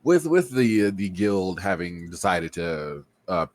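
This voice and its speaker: A very low-pitched man runs a tabletop game, picking his words with frequent pauses and restarts. He narrates the scene for his players over voice chat. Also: very animated, no echo. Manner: hesitant, many fillers and restarts. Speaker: game master.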